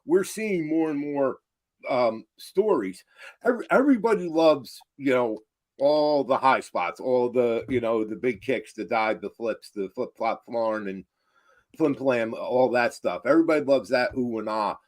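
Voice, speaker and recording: A man's voice: mid-range voice, animated, measured pace, a little mellow. A man co-hosting a show with casual, wry banter and argumentative commentary. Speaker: show co-host.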